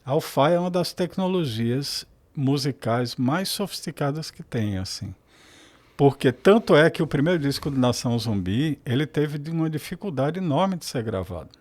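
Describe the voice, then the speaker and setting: A man's voice: on the high side, lively intonation, moderate pace, a little mellow. A man, a guest on a podcast, talking in a reflective, rambling way and correcting himself as he goes. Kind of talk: casual podcast conversation.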